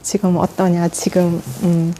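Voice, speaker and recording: A middle-aged woman casually telling a story in a conversation, lively and often laughing, acting out what others said. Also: fairly low pitch, measured pace, slight background noise, poor audio. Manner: animated storytelling, laughs often, acts out quotes. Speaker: guest, meditation student.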